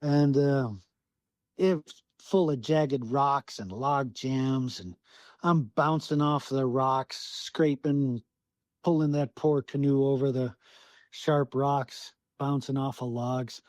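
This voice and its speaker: A man's voice: mid-range voice, fairly even intonation, takes it slowly, a little mellow, no echo. Salty storytelling man from Alaska. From Southwest Alaska. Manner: salty, swears freely, acts out his own thoughts. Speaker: podcast guest. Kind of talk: casual storytelling.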